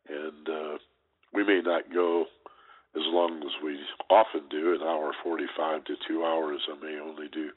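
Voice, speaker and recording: A man hosting a talk show, speaking in a reflective monologue with frequent fillers and pauses. He has a cold, so his voice sounds weak, wheezy and congested. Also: rumbling low, husky. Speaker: radio show host. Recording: tinny phone-like radio broadcast.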